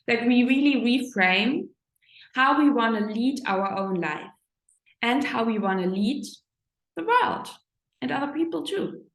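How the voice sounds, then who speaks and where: A woman with a German accent, a German native speaker, giving a reflective spiritual talk as an astrologer, pausing to search for words. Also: mid-range voice. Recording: echoey room.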